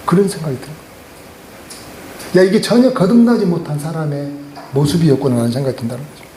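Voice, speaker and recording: High-voiced man preaching in an echoey church. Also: quick pace, warm tone, slight background noise. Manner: storytelling, asks the congregation questions, laughs often. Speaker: pastor. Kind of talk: sermon. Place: church sanctuary.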